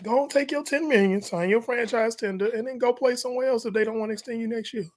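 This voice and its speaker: A man's voice: very high-pitched, fast. A man from Texas co-hosting a podcast, chatting casually and giving slangy, opinionated takes on sports. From Texas, United States. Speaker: podcast co-host.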